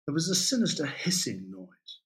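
A man, a writer, reading his own short story aloud in a measured, expressive way. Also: on the high side. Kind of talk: literary reading.

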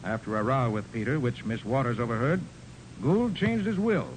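Through the rumble and hiss of an old radio recording comes a man playing an assured private detective. His medium-pitched voice is brisk and authoritative, delivered in crisp 1940s crime drama style. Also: animated, lightly acted, low-quality recording. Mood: explanatory, assured. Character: confident, commanding male private detective.

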